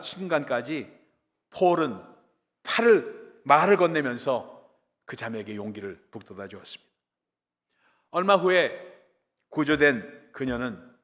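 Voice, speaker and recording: A male pastor preaching a sermon, telling a story with dramatic swings between loud and quiet. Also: medium pitch, big-room sound.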